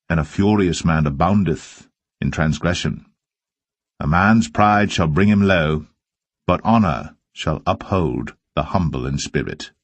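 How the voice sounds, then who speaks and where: A man with a low, husky voice reads archaic scripture in a solemn, deliberate way. Each verse is carefully phrased and measured. The sound is close and dry, with little sense of a room. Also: dry recording. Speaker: scripture reader. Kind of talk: solemn scripted Bible reading of archaic King James verse.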